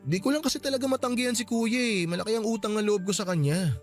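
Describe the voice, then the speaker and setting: A man's voice: high voice, fast, soft background music, natural voice. A man playing a young husband in a radio drama, defensive and pleading. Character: young husband, soft-hearted and placating.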